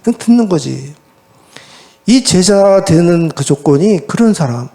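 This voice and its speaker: A male pastor preaching a sermon at a church service in a lively, colloquial way, often asking the congregation rhetorical questions. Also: sits high, measured pace, creaky.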